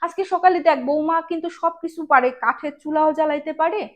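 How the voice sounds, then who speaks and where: Woman playing a high, scolding village mother-in-law. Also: fairly even intonation, brisk, lightly acted. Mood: complaining. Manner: scolding, complaining, colloquial village speech.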